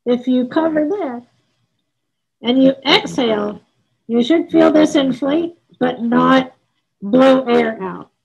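A woman speaking through a respirator mask, her voice muffled and hollow as she calmly explains each step of a safety demonstration. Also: sits high, slow, creaky, husky. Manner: calm, instructive, gives short commands. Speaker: costume dye instructor.

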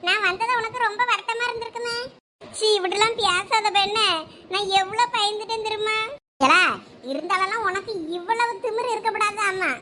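A woman's voice: very high-pitched, steady tone, normal speed, pushed and bright, a little hiss or hum. A woman playing a scolding family member in a village comedy skit. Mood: taunting.

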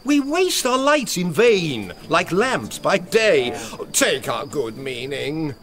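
A man's voice: a little high, very animated, slow, a crowd in the background. An actor with a British accent playing a witty, mercurial young nobleman in a Shakespearean radio drama, theatrical and teasing, swinging between gleeful and brooding. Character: mercurial, witty young nobleman spinning fantastical bawdy tales.

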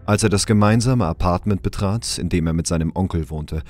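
A man narrating a sci-fi crime audio drama in a measured, serious, scripted storytelling style. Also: low-pitched, darkish tone, close to an everyday voice. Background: music.

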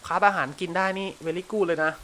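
A man with a Thai accent giving casual, crude gameplay commentary, chatting to himself and shouting at the game when it frustrates him. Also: sits high, steady tone, a little fast, slight background noise. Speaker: gameplay streamer.

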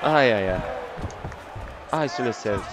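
A man with a European Portuguese accent commentating his own video game fight, excitable, shouting at big hits and throwing in English swear words. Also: medium pitch, measured pace, over a noisy crowd, very noisy. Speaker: gaming YouTuber. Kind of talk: let's-play commentary. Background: game music and fight sounds.

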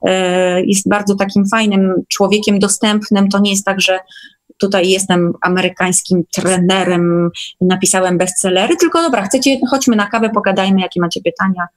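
A woman's voice: mid-range voice, steady tone, moderate pace. A woman guest casually recounting experiences in an online meeting, chatty and often seeking agreement.

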